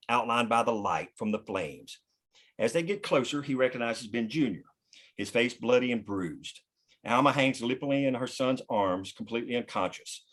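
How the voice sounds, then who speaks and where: Mid-pitched man narrating a screenplay. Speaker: stage-direction narrator. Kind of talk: scripted narration.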